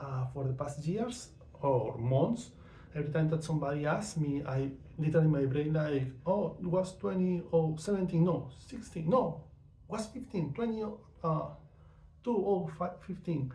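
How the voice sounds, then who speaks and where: This man's voice is fairly high-pitched, with a dark, mellow tone and lively intonation. He talks at a moderate pace, and the room echo is audible. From Venezuela. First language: not English or Spanish. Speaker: vlogger on witchcraft. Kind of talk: casual monologue. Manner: halting, many fillers.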